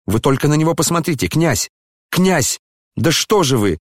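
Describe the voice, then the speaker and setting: A man voicing an excited teenage boy in an audiobook, shouting warnings in a rush. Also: fairly high pitch, no room sound, clean studio sound, pitched above the performer's own voice. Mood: urgent. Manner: urgent, rushed shouting.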